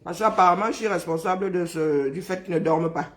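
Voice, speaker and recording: A woman with a Cameroonian French accent, hoarse and exhausted, talks to her live-stream audience. She is chatty and teasing, greets viewers one by one, and fills the gaps with hums and drawn-out sighs. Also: fairly low pitch. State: hoarse, worn-out voice.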